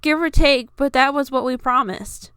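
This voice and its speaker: A woman's voice: high voice, moderate pace, fairly bright tone, clear, resonant tone, no room sound, studio quality, voice pushed up. A woman voicing a meek, anxious young woman with a hesitant manner in a story reading. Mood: reluctant. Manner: hesitant, nervous, pleading.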